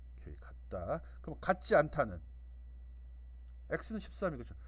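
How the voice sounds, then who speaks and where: A man is talking. There is audible room echo. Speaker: programming lecturer. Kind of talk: lecture. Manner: fast.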